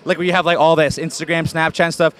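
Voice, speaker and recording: A man's voice: on the high side, level tone, fast talker, a bit bright, clean tone. A man hosting a casual street interview outdoors, playful and teasing, switching between languages. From United States, Virginia. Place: outdoors in a busy urban street area.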